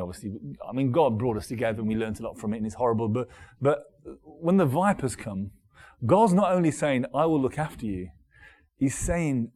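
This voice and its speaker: Halting pastor, middle-aged. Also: male voice, mid-range voice, dark tone. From Derby, England. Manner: conversational, halting, with frequent restarts and repeated words. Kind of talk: sermon.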